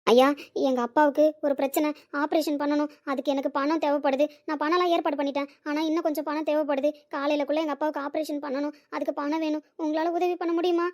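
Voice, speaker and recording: Woman as a young woman pleading for help, high and fast, audio drama. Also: flat delivery, a little mellow, natural voice. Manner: pleading, urgent. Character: desperate young woman needing money for her father.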